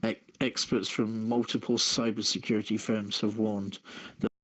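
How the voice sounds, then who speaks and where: A man hosting a live online radio show and reading out copy in a halting way, stumbling over his words. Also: fairly low pitch, little pitch movement, a bit bright.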